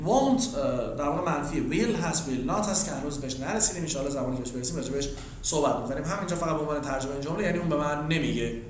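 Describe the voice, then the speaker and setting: A man with a Persian accent, a native Persian speaker teaching English in a classroom. He says model sentences slowly and clearly, then adds quick explanations. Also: mid-range voice, a little hiss or hum. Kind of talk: classroom language drill. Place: classroom with students. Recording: echoey room with chorus of students.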